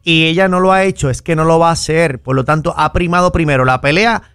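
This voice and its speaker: A man's voice: fairly high pitch, fast talker, fairly bright tone, clean tone, no echo, clean studio sound. A man hosting a talk radio panel, commenting in an indignant, preachy way.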